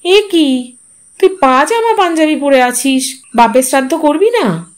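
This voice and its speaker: A woman voicing an indignant, traditional aunt in a storybook reading, scolding in a sharp tone. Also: high voice, animated, unhurried.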